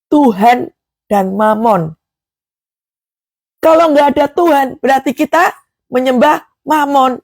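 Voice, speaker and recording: A woman's voice: sits high, slow, long pauses, dry recording, clean studio sound. A woman preaching a devotional sermon, emphatic, with rhetorical questions and acted prayers.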